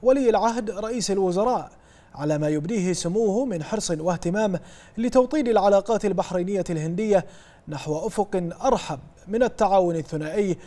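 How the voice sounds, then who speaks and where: A man reading a formal news report as a news reader, in a measured broadcast delivery. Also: high-pitched, mellow. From Bahrain.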